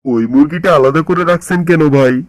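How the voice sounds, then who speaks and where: A man's voice: on the high side, brisk, dry recording, close to an everyday voice. A man voicing a poor, earnest village dairy farmer and family man in a cartoon story. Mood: polite. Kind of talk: Bengali cartoon story dialogue.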